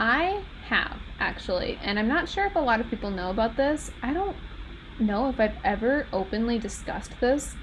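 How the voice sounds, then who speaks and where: A woman with an American accent at a moderate pace, over noticeable background noise. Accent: Minnesota accent, comes out on some words. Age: 20s. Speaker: dating podcast host. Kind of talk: casual solo podcast monologue.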